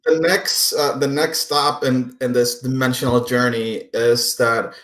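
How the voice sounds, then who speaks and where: A man narrating a tabletop game as game master, improvising descriptions in a halting, conversational way with casual asides. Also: medium pitch, level tone, fairly bright tone. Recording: roomy echo, music underneath.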